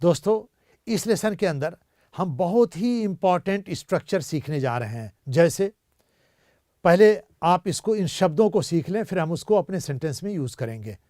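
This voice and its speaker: A man teaching a language lesson, repeating each word slowly several times and asking learners to say it after him. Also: sits high, expressive, warm tone, no room sound, studio quality. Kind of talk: slow spoken lesson with repeat-after-me drills.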